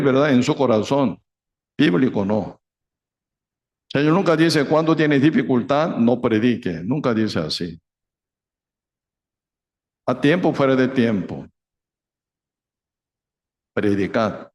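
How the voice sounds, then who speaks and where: A middle-aged pastor with a Korean accent delivers a sermon in halting, broken Spanish. He keeps checking in with his listeners through tag questions, and he raises his voice high and loud when he acts out a scene. His pitch sits at an ordinary middle level for a man.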